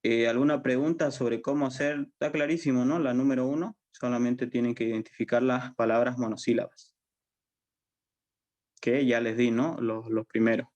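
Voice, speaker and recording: A Bolivian man leads a university language class in a mid-pitched voice. He explains step by step and repeats his points. He keeps asking the students whether it is clear. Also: steady tone, normal speed, a little mellow. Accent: Bolivian Spanish. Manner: patient, repetitive, checks understanding often. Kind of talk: online class lecture.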